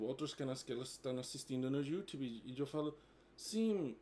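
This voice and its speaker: A man from New York, a native English speaker, mostly neutral American accent, talking casually in halting learner Portuguese and plain English. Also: on the high side, warm tone. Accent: mild New York, mostly neutral American. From United States (New York). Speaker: vlogger. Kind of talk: casual bilingual vlog explaining.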